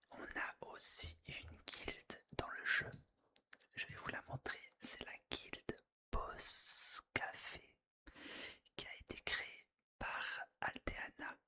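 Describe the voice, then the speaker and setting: Narrating gameplay in gentle ASMR fashion, this creator whispers close and breathy in your ear, softly echoing certain phrases.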